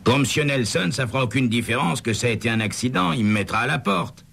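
A man's voice: mid-range voice, lively intonation, quick pace, creaky, fairly bright tone, a little hiss or hum, voice pushed up. A man voicing a moaning, panicky motel manager. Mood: lamenting. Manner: lamenting, plaintive. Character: panicky whining male motel manager, middle-aged.

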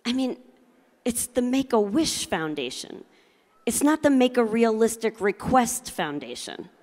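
A middle-aged woman with a fairly high voice speaks from a convention floor, her words carrying long reverb from the hall. She delivers a motivational keynote as comic storytelling, with theatrical emphasis aimed right at her audience. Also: big pitch swings, measured pace, darkish tone. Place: large convention hall, indoors. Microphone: handheld microphone.

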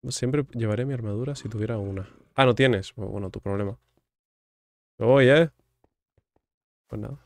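Gamer guy joking around w the villagers, mostly mumbling low, dry close mic. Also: normal speed, pauses often, darkish tone, no echo. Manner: joking, teasing, chatty with game characters. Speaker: gaming streamer. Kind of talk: casual gameplay commentary.

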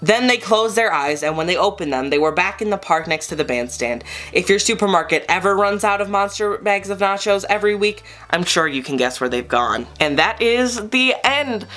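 A channel host gently reading a bedtime story aloud to viewers. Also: male voice, sits high, expressive, moderate pace, few pauses.

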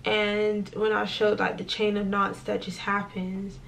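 A woman's voice: medium pitch, little pitch movement, unhurried, creaky, fairly bright tone, far from the mic, slight background noise. A young woman vlogging in casual chat, talking with many fillers and acted quotes, in a small indoor room. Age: young adult.

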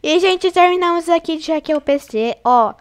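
A woman's voice: very high-pitched, animated, normal speed, over music. A woman hosting a gaming channel, giving chatty running commentary on her play and talking constantly to her viewers. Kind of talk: casual gameplay commentary.

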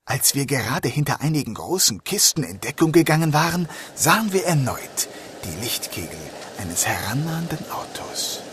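An actor playing a composed, dryly confident police detective in a German crime audio drama. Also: male voice, fairly high pitch, sing-song, noisy background. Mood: focused. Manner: measured, dry, commanding.

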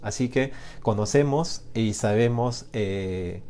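A man teaches a live Spanish lesson in an encouraging, conversational way. He often pauses on fillers as he gathers his thoughts. A faint hiss sits under his voice. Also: fairly low pitch, mellow. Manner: encouraging, with frequent hesitation fillers. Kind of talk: live-streamed language lesson chat.

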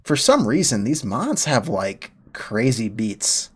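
A man's voice: mid-range voice, big pitch swings, takes it slowly, background noise. A young man hosting a gaming video, sniffly from a cold, reacting casually with laughs and rambling asides. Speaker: gaming channel host. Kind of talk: casual game commentary. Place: home room, indoors. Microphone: headset mic.

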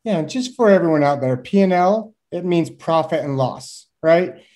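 A man's voice: on the high side, moderate pace. A man in his thirties, a guest expert explaining things animatedly to a host over a video call from a small room. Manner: animated, gestures with hands, uses homely examples. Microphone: webcam on a video call.

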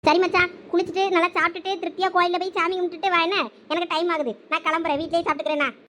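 A woman's voice: very high-pitched, flat delivery, racing, fairly bright tone, a little hiss or hum. A woman playing a teasing lazy young guy. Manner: teasing, joking. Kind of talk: village comedy skit acting.

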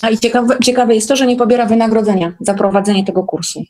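A woman's voice: a little high, fast talker, a little mellow, a little hiss or hum. A woman speaking as a guest in a casual online interview, sharing experiences conversationally. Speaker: guest recounting course experiences. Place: online call.

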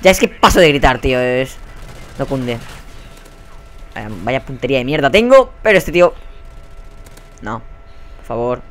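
A man's voice: medium pitch, sing-song, normal speed, pauses often, slight background noise. A young man with a Spanish accent from Spain, giving live gameplay commentary with constant swearing and frustrated outbursts. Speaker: gaming YouTuber.

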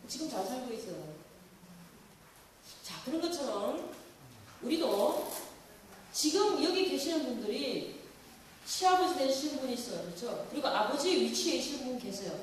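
A Catholic nun lecturing to an audience, telling a story in an animated way and acting out quoted lines. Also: female voice, high voice, moderate pace, long pauses, slight background noise. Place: lecture hall. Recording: echoey hall from far off.

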